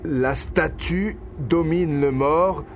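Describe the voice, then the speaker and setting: A man's voice: on the high side, drawn-out words, slight background noise. An actor playing a protective, urgent male friend of the heroine in a language-learning radio drama. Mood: concerned. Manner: hushed reassurance turning to urgent cries. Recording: music behind the voice.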